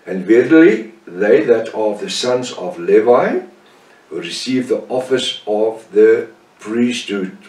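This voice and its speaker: A man's voice: fairly low pitch, expressive, darkish tone, echoey room, recorded from a distance, low-quality recording. Older South African man teaching scripture. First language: Afrikaans. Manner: slow, deliberate delivery with frequent fillers and self-corrections. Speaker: Bible teacher. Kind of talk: Bible study teaching.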